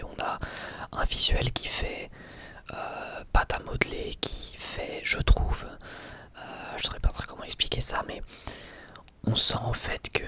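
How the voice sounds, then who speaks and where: Young man whispering ASMR commentary. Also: sharp tone. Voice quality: breathy, unvoiced whisper. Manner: hesitant, unscripted, conversational. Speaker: ASMR video creator giving commentary.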